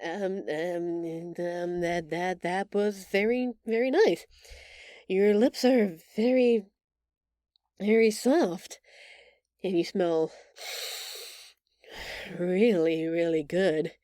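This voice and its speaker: Woman acting a slow, shy, gentle alien girl. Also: lowish voice, fairly even intonation, dry recording, clean studio sound. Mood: flustered, pleased. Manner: hesitant, stammering, apologetic. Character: gentle shy female alien, earnest and eager to please. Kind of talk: intimate scripted audio roleplay.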